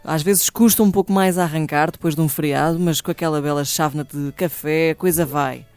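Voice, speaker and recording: A woman's voice: sits low, steady tone, brisk, darkish tone, clear, resonant tone, dry recording, soft background music. A woman with a European Portuguese accent co-hosting a morning radio show in casual, encouraging conversation. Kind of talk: casual live radio chat.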